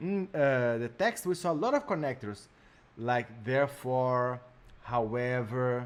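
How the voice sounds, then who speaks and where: A man with a Portuguese accent talks at a fairly slow pace. His medium pitch shows ordinary variation. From Brazil. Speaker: English teacher. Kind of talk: lecture. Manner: slow, repeating okay often.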